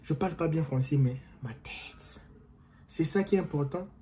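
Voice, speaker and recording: Addressing his viewers as friends, a US-based vlogger and coach gives a casual, animated motivational talk to camera, offering advice and telling a story. His voice is slightly high and mellow at a normal pace, with a little hiss or hum behind it.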